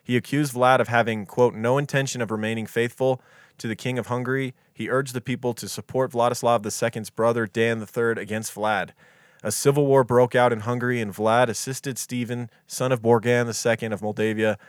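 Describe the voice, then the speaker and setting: Male podcast co-host, mid-pitch, reads notes casually, dry close mic. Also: no echo. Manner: reads dates and quotes, stumbles on foreign names, swears casually. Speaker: podcast co-host reading history. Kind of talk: casual true crime podcast, reading from notes.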